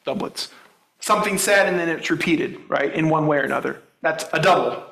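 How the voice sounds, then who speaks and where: Man, pastor, sermon, conversational Bible teaching, bright tone, roomy church sound. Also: a little high, brisk, gravelly. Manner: conversational Bible teaching with frequent restarts and questions to the congregation.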